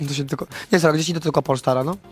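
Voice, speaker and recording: A man with a cold, a bit hoarse, chatting as a guest in a joking, boastful way. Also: fairly high pitch, fairly even intonation, rapid-fire, faint music behind. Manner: jokey, boastful. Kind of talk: casual chat.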